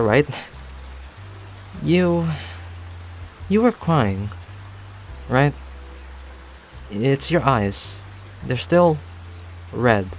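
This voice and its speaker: A man playing a friendly, talkative cafe owner in a roleplay audio, speaking to the listener in a chatty, rambling, gently attentive way. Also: medium pitch. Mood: gentle concern. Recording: soft music and rain behind. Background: music and rain sounds.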